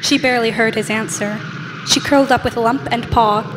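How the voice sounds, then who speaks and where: Young female narrator over loud noise. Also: on the high side, fairly even intonation, fairly quick. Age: teenager. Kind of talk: scripted radio play narration. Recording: very noisy live stage recording.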